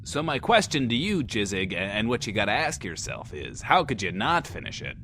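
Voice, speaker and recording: A brash post-apocalyptic radio host, a man with a lowish voice that moves animatedly. He is theatrical and sardonic, holding forth like an audio drama DJ, with slight noise behind him. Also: very animated, normal speed, bright, forceful tone, exaggerated voice. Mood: rousing. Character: brash, wry male post-apocalyptic radio DJ, grandly rousing. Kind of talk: in-world radio show monologue in audio drama.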